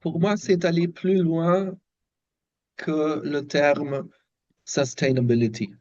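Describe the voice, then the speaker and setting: A man's voice: a little high, fairly even intonation, slow pace, a little mellow, dull audio. A German-accented man speaking in a second language on a video call, thoughtful and searching for words. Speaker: workshop participant, systemic design researcher. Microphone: video call microphone.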